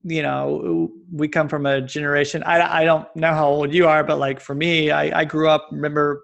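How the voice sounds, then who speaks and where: The recording sounds lo-fi as a man's slightly high, creaky, fairly bright voice holds little pitch movement at normal speed. He's a forty-something Kansan guesting on a podcast, rambling loosely in casual talk he describes as babbling.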